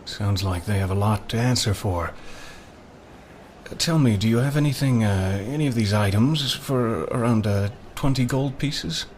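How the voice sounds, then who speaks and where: A man playing a polite, inquisitive adventurer in a fantasy audio drama, speaking in a halting, gently probing way. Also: on the low side, a little hiss or hum, natural voice. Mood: curious, amused.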